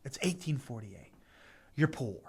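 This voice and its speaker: A man's voice: mid-range voice, big pitch swings, a little slow, darkish tone, husky. A man hosting a finance podcast, explaining in a conversational way, repeating points for emphasis, with frequent fillers. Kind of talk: casual explainer talk.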